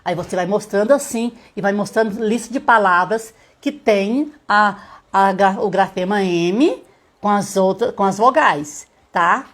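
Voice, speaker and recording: Middle-aged woman, literacy teacher, live-stream lesson, patient step-by-step explainer. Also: medium pitch. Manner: sounds out letters slowly.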